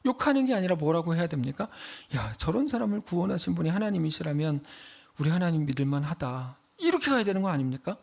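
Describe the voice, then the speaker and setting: Animated Korean pastor preaching, high lively voice. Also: male voice, fast, creaky. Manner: animated preaching, acting out quoted voices, dropping to a hush for emphasis. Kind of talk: sermon.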